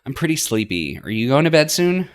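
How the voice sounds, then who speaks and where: A man's voice: medium pitch, sing-song, a little fast, pitched above the performer's own voice, close to an everyday voice. A man voicing an eager, sweet, shy young woman in visual novel dialogue. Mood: sleepy.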